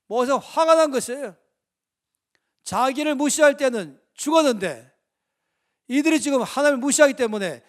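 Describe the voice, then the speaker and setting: Middle-aged pastor guy with a high voice, preaching and storytelling, goes from shouting to almost murmuring. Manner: dramatic storytelling with big swings between loud and soft. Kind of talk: sermon.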